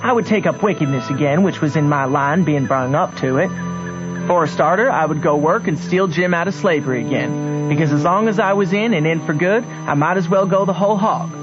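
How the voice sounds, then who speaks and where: A dull, lo-fi radio drama with music playing behind. A man plays an earnest runaway boy, fairly high in pitch, telling his own story in folksy, thoughtful backwoods talk. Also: brisk, close to an everyday voice. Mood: defiant. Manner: folksy rural dialect, reflective. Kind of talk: scripted first-person narration in radio drama.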